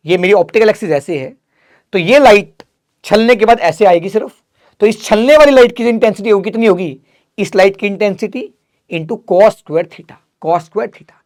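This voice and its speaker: Hindi-speaking male physics teacher. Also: high-pitched. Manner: asks students questions then answers them; calls students "beta", casual and direct. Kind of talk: exam revision lecture.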